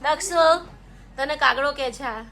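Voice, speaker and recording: Mom vlogger in her thirties, high and bright, chatty and teasing with her kids. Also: unhurried, slight background noise. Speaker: mother and vlogger. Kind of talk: casual family vlog.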